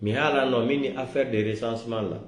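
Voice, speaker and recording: A man's voice: medium pitch, fairly even intonation, a little fast. Ranting West African man, echoey room. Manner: vehement, ranting, accusatory, commanding; repetitive, emphatic declarations. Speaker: political video commentator. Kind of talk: political rant to camera. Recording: roomy, echoing room.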